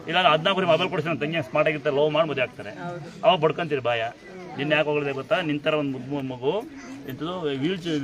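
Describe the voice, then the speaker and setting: A man at a busy temple gathering, scolding and consoling people in turn like a father. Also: on the high side. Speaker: temple elder handing out offerings. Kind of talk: speaking to devotees in a crowd. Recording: loud crowd behind.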